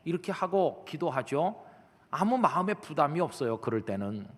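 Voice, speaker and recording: A middle-aged man preaches to his congregation in a large sanctuary, and his words ring out with a long reverb. His voice sits a little high for a man. He keeps a conversational pastor's tone and slips into acted prayers and church members' pleas. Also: very animated, normal speed. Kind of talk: sermon.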